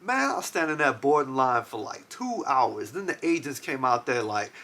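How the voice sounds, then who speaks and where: A man with an African American Vernacular English accent hosting a lesson, telling stories in a slangy, expressive way. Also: medium pitch, normal speed. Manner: slangy, expressive, acts out stories with sound effects. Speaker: host of a language lesson series. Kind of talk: animated explanatory storytelling to camera.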